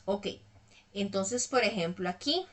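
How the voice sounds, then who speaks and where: A woman's voice: medium pitch, expressive, unhurried. Patient woman teaching English. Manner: patient, explains step by step with frequent "¿verdad?". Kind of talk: online tutoring lesson.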